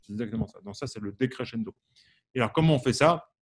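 A fast-talking man with a mid-range voice leads a live online harmonica lesson, with a little hiss or hum in the audio. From France's Champagne region, he asks his audience questions, reads out their replies by name and uses lots of fillers.

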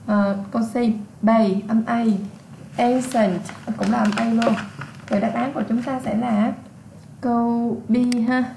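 A woman's voice: a little high, steady tone, measured pace, gravelly, dark tone, echoey room, slight background noise. A woman from Vietnam with a Vietnamese accent, teaching an English exam lesson, patiently repeating words and explaining their sounds.

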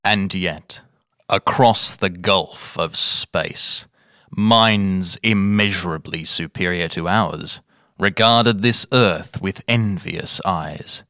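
Ominous sci-fi storyteller, male actor, low, slow, measured and grave. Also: pushed and bright, dry recording, clean studio sound, full character voice. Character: grave, ominous male science fiction narrator. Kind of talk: dramatic literary narration.

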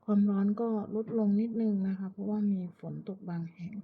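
A woman from Thailand chatting casually and politely to viewers as a pet owner, in an unhurried, coaxing manner. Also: mid-range voice, little pitch movement, husky. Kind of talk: casual chat to viewers while watching her pet cat. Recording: muffled, lo-fi, phone-like narrow sound.

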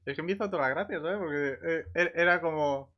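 A man's voice: a little high, fairly quick, highs cut off. A man with an accent from Spain, telling anecdotes to gaming friends in a colloquial, sweary way. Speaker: online roleplay gamer. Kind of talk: casual chat, anecdotes.

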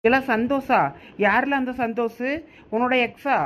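A woman's voice: a little high, steady tone, moderate pace, very noisy. A woman, talking in a teasing, playful way in a comic sketch.

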